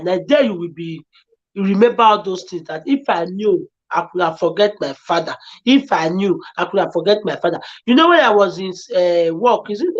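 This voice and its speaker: A woman's voice: mid-range voice, dull audio. A woman with a Nigerian accent, a guest on a talk show, giving earnest, repetitive and pleading advice. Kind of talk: emotional advice-giving chat.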